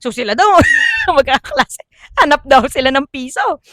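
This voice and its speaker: A woman's voice: high-pitched, wildly swooping pitch, normal speed, fairly bright tone, dry recording, studio quality. A woman vlogger telling stories casually and animatedly, laughing often and acting out what people said. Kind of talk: casual storytelling.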